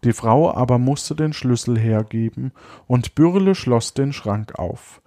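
A man reads a folk tale aloud, slow and deliberate, chuckling and throwing in asides as he goes. His voice is dark and mellow. The sound is dry and close to the mic, with no room sound. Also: mid-range voice, no room sound. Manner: unhurried, chuckles and adds asides. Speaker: storyteller. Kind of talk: reading a fairy tale aloud.

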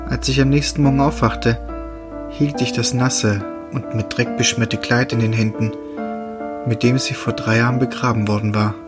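A man reading short horror stories in a slow, hushed, deliberate voice with dramatic pauses. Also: medium pitch, steady tone. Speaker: narrator. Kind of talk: scripted horror narration. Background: background music.

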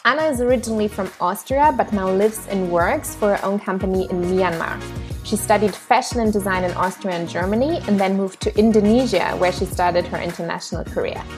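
Woman podcast host reading the intro, excited and upbeat, music playing under it. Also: mid-range voice, brisk. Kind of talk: scripted intro then interview.

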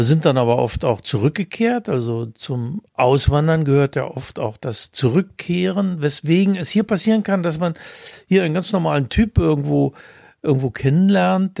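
A man's voice: on the high side, creaky, a little mellow, no echo, clean studio sound. A man in his sixties co-hosting a podcast, explaining things thoughtfully at length. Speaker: podcast co-host. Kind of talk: casual conversation.

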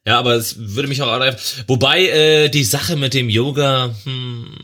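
A man's voice: medium pitch, steady tone, normal speed, bright, forceful tone. A man co-hosting a podcast in casual chat, rambling with lots of fillers and restarts. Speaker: podcast co-host.

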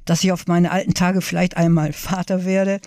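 A woman's voice: lowish voice, little pitch movement, normal speed, darkish tone, dry recording, studio quality, lightly acted. A woman voicing a wry, aging man who speaks dryly.

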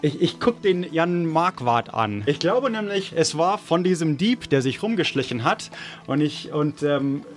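Higher-voiced man tentatively playing detective. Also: animated, soft background music. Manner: tentative, halting. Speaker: player acting as detective. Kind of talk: casual game chat, thinking aloud.

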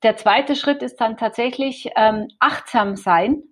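Husky German woman. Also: on the high side, takes it slowly. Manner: hesitant, many fillers and restarts. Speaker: guest author and coach. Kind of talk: interview answer, explanatory.

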